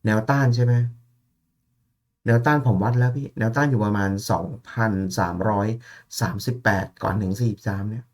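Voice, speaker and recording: A man's voice: lowish voice, a little fast, a little mellow. Chatty man talking through trading charts. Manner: chatty, calls listeners "พี่" and "น้อง", thinks aloud. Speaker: gold market analyst. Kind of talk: casual chart analysis talk.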